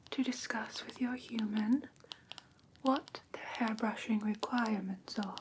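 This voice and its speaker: A woman playing a prim, patient vampire teacher in a whispered ASMR roleplay, speaking softly and breathily with formal, careful instruction. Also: fairly high pitch, a little hiss or hum. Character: prim, patient female vampire teacher of human pet care.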